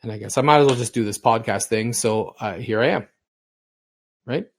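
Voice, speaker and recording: A man's voice: mid-range voice, moderate pace, slight background noise. A middle-aged man chats on a podcast in an ordinary mid-range voice. He rambles through stories, doubling back and repeating words as he goes. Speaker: podcast co-host. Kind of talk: casual podcast chat.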